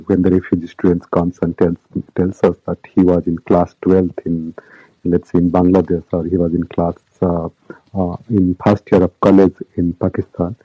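A man with a South Asian accent and a low, rough-edged voice explains things like a lecturer in an online audio room. He speaks haltingly, rephrasing as he goes, and the sound is close and rather dull. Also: warm tone, no echo. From Indian subcontinent. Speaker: university humanities academic, guest speaker. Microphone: remote app call.

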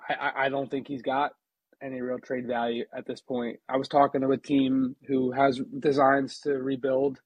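A man's voice: medium pitch, completely flat delivery, moderate pace, breathy edge, dry recording, low-quality recording. A man hosting a casual sports podcast as an NBA reporter, chatty, with many restarts, chewing a sandwich as he talks.

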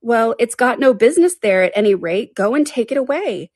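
An irritable storybook rabbit master, acted out by a woman, pitched high and full of command. He scolds and orders imperiously, in a very dry recording. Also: expressive, a little fast, a little mellow, no room sound. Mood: angry, scolding. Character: angry, bossy male rabbit master. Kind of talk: storybook character voice.

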